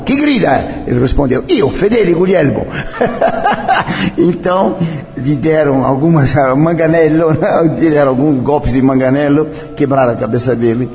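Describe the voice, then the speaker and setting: A man's voice: mid-range voice, warm tone. An older man from Brazil, head of a Catholic association, speaking in a solemn, declamatory way during an interview. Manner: solemn, declamatory, mixing in French and Italian phrases. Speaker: president of a Catholic cultural association. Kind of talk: interview, personal reminiscence.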